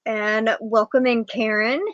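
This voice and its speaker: Woman host welcoming chat viewers, slow easy talk, dry dull lo-fi audio. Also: a little high, steady tone, fairly bright tone, no echo. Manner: chatty, greets viewers and reads the chat aloud. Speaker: livestream host. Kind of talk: casual livestream chat.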